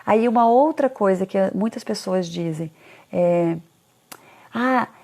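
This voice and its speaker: A woman talking casually to parents about children, animated, often acting out parents' complaints in a higher voice. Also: measured pace. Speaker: parenting educator.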